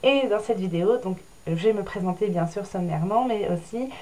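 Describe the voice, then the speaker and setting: With ordinary pitch variation, the woman keeps to a moderate pace. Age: 30s. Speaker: stay-at-home mother and vlogger. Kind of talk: casual vlog introduction. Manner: hesitant, many fillers. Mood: warm, friendly. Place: home room. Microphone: webcam.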